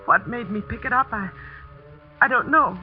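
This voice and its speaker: Determined schoolteacher narrator, played by a woman, tense, high voice, music underneath. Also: moderate pace, lightly acted. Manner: tense, earnest storytelling. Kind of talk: 1940s radio narration and acting. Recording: muffled 1940s radio broadcast with music.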